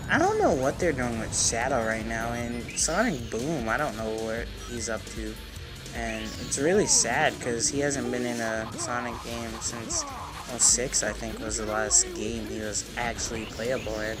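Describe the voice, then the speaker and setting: A man's voice: mid-range voice, measured pace. A man giving casual, rambling and opinionated commentary on a video game as he plays. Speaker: gaming video host. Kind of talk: casual let's play commentary. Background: game music.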